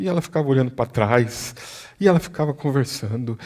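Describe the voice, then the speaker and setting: Very clean recording with a silent background. A man talks at a medium pitch. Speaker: preacher. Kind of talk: sermon. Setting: church service.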